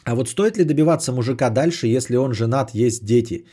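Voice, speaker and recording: A man's voice: mid-range voice, fairly quick, mellow, husky. A man hosting a podcast, chatting casually and sardonically as he answers audience messages, often swearing and repeating phrases. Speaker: podcast host.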